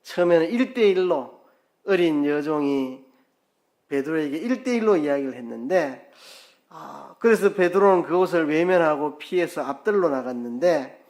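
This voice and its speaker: Man, pastor, church sermon, slightly high voice, acted-out quotes, swings loud and soft. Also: lively intonation, moderate pace. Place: church sanctuary.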